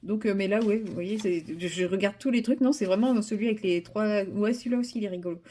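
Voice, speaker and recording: A woman's voice: mid-range voice, fast, dark tone. Brief: woman vlogger, casual rambling chat at home, lots of ums and restarts. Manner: chatty, rambling, many fillers and restarts.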